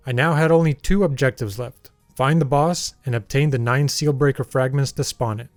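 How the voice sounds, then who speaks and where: A man's voice: mid-range voice, no room sound. A young man narrating his gameplay in a voice-over, with dry, self-deprecating humor. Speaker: gaming YouTuber narrating his playthrough.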